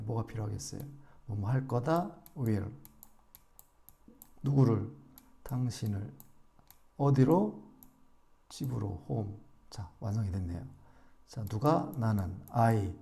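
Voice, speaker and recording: A man teaching English grammar and pronunciation, asking questions and answering them himself, then slowly repeating example sentences. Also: mid-range voice, vocal fry, warm tone. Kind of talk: explanatory grammar lesson.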